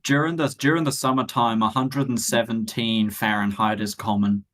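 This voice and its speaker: A man's voice: lowish voice, fairly even intonation, normal speed, fairly bright tone. A man, chatting casually and telling anecdotes with a dry, wry humour.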